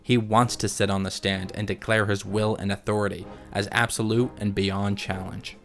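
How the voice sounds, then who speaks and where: Low-voiced man narrating a video essay. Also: little pitch movement, vocal fry, a bit bright, faint music behind. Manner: measured, analytical explaining. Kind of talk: scripted voice-over narration.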